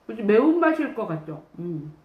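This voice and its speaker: A woman's voice: a little high, very animated, normal speed, roomy sound, lo-fi sound. A woman streaming a casual eating show, chatting about the food while speaking behind her hand as she chews. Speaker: mukbang streamer. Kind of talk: casual eating livestream chat.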